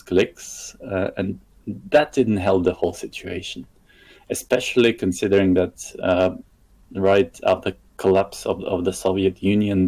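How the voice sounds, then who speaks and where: A man who grew up in Lithuania and speaks English as a second language after Russian. His voice is low and mellow, and he talks slowly and haltingly, restarting his words often in a casual chat. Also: poor audio. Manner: halting, many restarts and fillers. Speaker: guest. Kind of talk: casual conversation.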